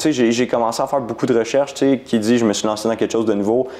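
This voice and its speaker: A man's medium-pitched voice with a Quebec accent and fairly even intonation, over noticeable background noise. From Quebec, Granby area. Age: 20s. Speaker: online sales entrepreneur. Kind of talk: casual interview chat. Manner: casual, many fillers.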